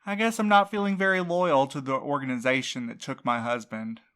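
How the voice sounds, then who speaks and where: A woman's voice: very deep voice, fairly quick, a bit bright. A woman voicing a blunt, sardonic widowed courier in an audio drama. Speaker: night courier.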